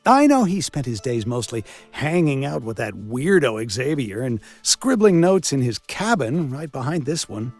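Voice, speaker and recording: A man's voice: medium pitch, big pitch swings, normal speed, hardly any pauses, darkish tone. A sarcastic country coroner in a video game, who fancies himself a man of science. His delivery is theatrical and full of wisecracks, swooping up and down constantly over background music. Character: sarcastic village doctor and coroner, self-styled man of science. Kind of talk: video game character acting.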